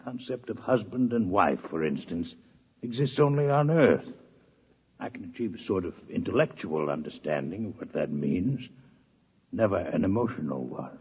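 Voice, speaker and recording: Deep, husky, courteous alien doctor. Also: male voice, lively intonation, full character voice. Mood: formal, apologetic. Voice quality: imperfect articulation from an oddly built mouth. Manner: formal, precise, measured. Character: courteous, scholarly male alien doctor with bovine face. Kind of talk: 1950s radio drama acting. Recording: muffled old radio recording with long reverb.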